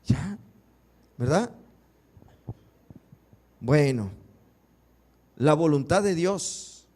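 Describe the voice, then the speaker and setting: Pastor, male, higher voice, sermon delivery with rhetorical questions to the congregation. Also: animated, extremely slow, darkish tone. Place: church.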